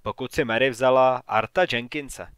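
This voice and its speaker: A man narrating an audiobook in a calm, even storytelling manner on a close mic. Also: medium pitch, clean tone, no room sound.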